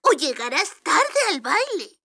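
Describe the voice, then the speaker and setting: A woman voicing a sweet old lady, a kindly fairy godmother on a children's storybook record, with a slow, doting singsong manner. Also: sits high, big pitch swings, creaky, sharp tone, pitched above the performer's own voice, full character voice. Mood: sweet, fussing.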